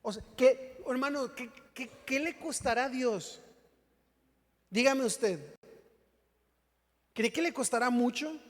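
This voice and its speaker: A man preaches in a high voice, trading jokes and questions with his congregation. His sermon is relaxed and chatty rather than formal. The church hall leaves a long echo trailing behind each phrase. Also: slow, long pauses. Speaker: pastor. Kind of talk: humorous conversational sermon.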